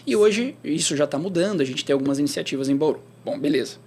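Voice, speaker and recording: A man, speaking as a guest in a relaxed interview. His voice sits a bit high for a man. He talks in an easygoing way, circles back on his phrases and poses questions to himself as he goes. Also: fast talker, breathy edge. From interior of São Paulo state, Brazil. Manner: relaxed and conversational, with frequent restarts and rhetorical questions. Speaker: guest, startup accelerator professional. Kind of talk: casual interview chat.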